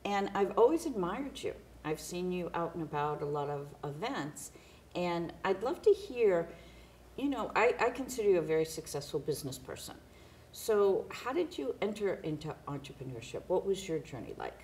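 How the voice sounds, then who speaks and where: An older woman hosts a local studio interview show, introducing her guest with praise before asking her questions. Her voice sits low for a woman, with a faint hiss under the studio sound. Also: sing-song, moderate pace. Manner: warm, complimentary introductions. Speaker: TV interview host. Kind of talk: interview hosting. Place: small TV studio, seated at a table.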